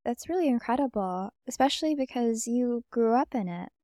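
A woman interviewing a guest, asking gentle, curious questions. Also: a little high, lively intonation, fairly quick, dry recording, clean studio sound.

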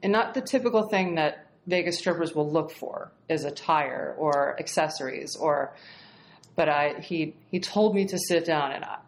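A woman guest telling a story in casual, animated talk, swearing freely and laughing as she goes. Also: deep voice, moderate pace. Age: adult, past marriage. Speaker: podcast guest.

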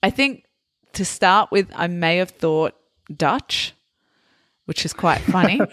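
A woman hosts a podcast interview in a chatty, friendly way, laughing easily and asking question after question. Her voice sits a little low for a woman. The sound is dry and close. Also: animated, slow, fairly bright tone, no echo. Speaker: podcast host. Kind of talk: casual interview.

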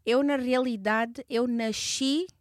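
A woman's voice: a little high, steady tone, takes it slowly, no echo, studio quality. A woman in her thirties, born in Portugal, speaking as an interview guest in a hesitant, reflective way with frequent fillers and restarts. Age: 30s. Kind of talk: conversational interview.

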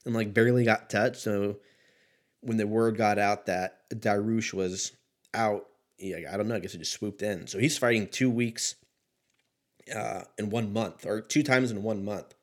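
A man's voice: fairly low pitch, steady tone, a little slow. A man in his thirties hosting a sports talk show solo, giving casual, rambling commentary in a laid-back, sweary way. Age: 30s.

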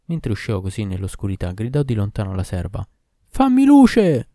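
Low-voiced man narrating a tale. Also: quick pace, dark tone, no room sound, clean studio sound. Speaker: storyteller. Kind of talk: storybook narration.

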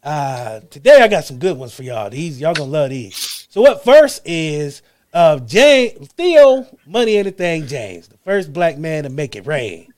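Man, podcast host, joking, high lively voice, excited bursts. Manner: hyped, joking, quick bursts with laughs. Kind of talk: comedic segment in a group podcast chat.

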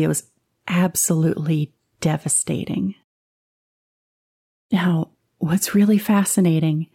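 Southern woman podcaster, chatty ghost story, low mellow voice. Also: gravelly. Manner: conversational, with asides and dropped whispers. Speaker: podcast host. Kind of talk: casual storytelling narration.

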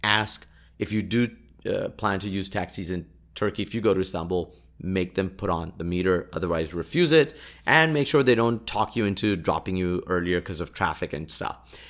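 Swapping travel stories on his podcast, this young native Urdu speaker is loose and conversational, stumbling into restarts, fillers and laughs. He has a low, slightly bright voice at a normal pace.

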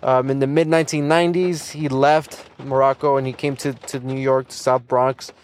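A man's voice: mid-range voice, flat delivery, normal speed, a little mellow, a little hiss or hum. A young man hosting a casual solo podcast, loose and rambling with plenty of fillers, restarts and small laughs. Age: young adult. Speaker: podcast host.

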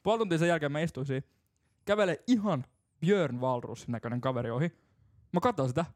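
A man's voice: fairly high pitch, animated, no echo. A young man from Finland hosting a casual drinking podcast, telling stories loosely and laughing often. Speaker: podcast host.

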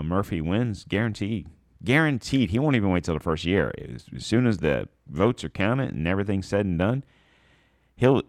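A podcast host with a low voice delivers blunt, sarcastic political commentary, rambling and using lots of fillers. He sounds a little stuffed up, and the recording is studio quality with no echo.

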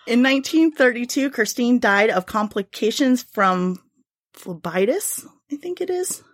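A woman's voice: fairly high pitch, lively intonation, a little slow, no echo, clean studio sound. A woman hosting a podcast, telling a history story in a casual, chatty way, now and then swearing and laughing. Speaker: podcast host.

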